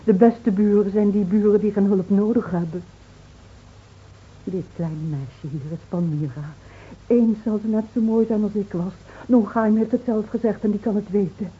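An actress playing a grieving, devoted middle-aged village wife in a Dutch radio drama, speaking in a solemn, measured, pleading way. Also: female voice, medium pitch, a little hiss or hum, lightly acted. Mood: tender, resigned. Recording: tinny, narrow-band old radio recording.

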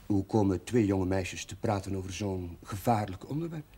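An actor with a Netherlands Dutch accent playing a flustered, evasive but kindly Catholic chaplain in a television drama, speaking hesitantly and haltingly. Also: male voice, low-pitched, expressive, dark tone, slightly rough. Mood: embarrassed, evasive. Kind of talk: naturalistic television drama acting. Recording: noisy old television soundtrack.

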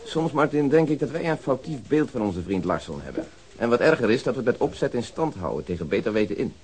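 Quick-talking, thoughtful policeman. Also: medium pitch, very animated, a little mellow, husky. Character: reasonable, thoughtful, mild-mannered male police colleague. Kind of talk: naturalistic radio drama acting.

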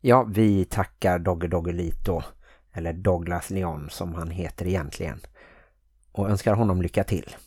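A man from Sweden hosting a podcast, giving calm and measured introductions. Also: sits low, husky, dry recording. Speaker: podcast host.

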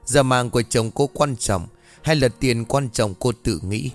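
A man voicing a greedy, gruff male village sorcerer who speaks curtly and haggles dismissively. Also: mid-range voice, measured pace, soft background music, natural voice. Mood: bargaining.

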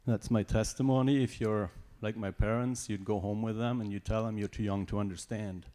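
A man's voice: lowish voice, steady tone, brisk, warm tone. A man from Switzerland with a Swiss German accent, a native Swiss German speaker, giving a personal testimony in church with informal joking asides.

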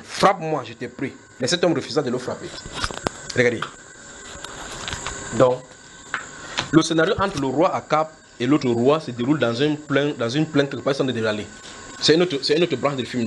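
A man preaching a sermon who retells scripture as a film, with lively, joking storytelling. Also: mid-range voice, a little hiss or hum. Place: church.

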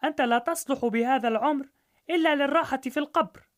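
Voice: high voice, quick pace, fairly bright tone. A voice playing a group of scornful female sandals who sneer, in a told story. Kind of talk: storybook narration.

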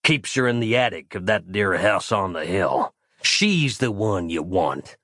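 A man's voice: sits low, lively intonation, sharp tone, no room sound, clean studio sound, pitched below the performer's own voice, full character voice. A man putting on a drawling villainous sheriff. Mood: menacing. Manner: slow drawling folksy speech, scornful. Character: menacing folksy frontier sheriff, middle-aged man. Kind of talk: audio drama character voice.

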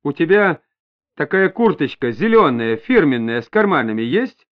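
A firm, level-headed inspector presses a suspect for answers, as a male narrator puts him on. He talks steadily, with a fairly high and lively voice. The audiobook sound is dull and lo-fi. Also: normal speed. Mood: pressing. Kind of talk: audiobook character voice.

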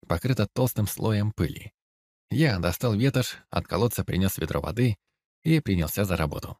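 A man narrating a first-person novel in a steady, even storytelling manner. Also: on the low side, no echo, studio quality. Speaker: audiobook narrator.

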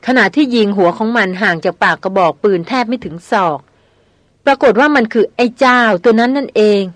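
A woman's voice: on the high side, animated, brisk, dry recording, lightly acted. Woman voicing Rapin, a tough veteran hunter. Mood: recounting.

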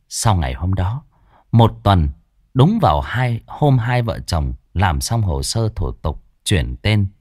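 A man's voice: deep voice, a little mellow, husky, dry recording, clean studio sound. A man narrating a ghost story in a dramatic, suspenseful way.

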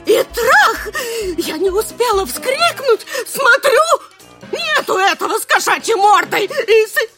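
An actress playing a frantic, tearful young secretary with a musical, slightly nasal voice in a radio drama. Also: female voice, extremely high pitch, very animated, takes it slowly, over music, exaggerated voice. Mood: agitated retelling. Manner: frantic, wailing, breathless retelling.

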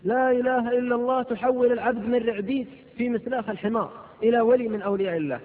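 High-pitched fiery preacher in a hall. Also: male voice, racing. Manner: impassioned, rising to loud declamation. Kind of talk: fiery sermon. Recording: tinny lo-fi tape in a reverberant hall.

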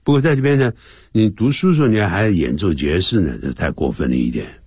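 A man teaching English on a radio lesson. He explains in Chinese and repeats the English phrases slowly, in a playful manner. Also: low-pitched, a little mellow, slightly rough, no room sound, clean studio sound. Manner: playful, mimics sounds. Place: radio studio.

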